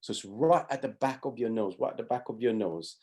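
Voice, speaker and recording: Speaking a little fast in a medium-pitched, slightly mellow voice, a middle-aged Zambian pathfinder honour instructor teaches a youth class over video. His explanations proceed step by step, with phrases he often restarts.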